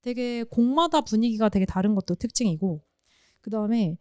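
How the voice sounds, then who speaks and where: Lively explaining woman, dry mic. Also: a little high, brisk, dry recording. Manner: explanatory, animated, imitates sounds. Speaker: podcast co-host explaining music. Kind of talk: casual chat.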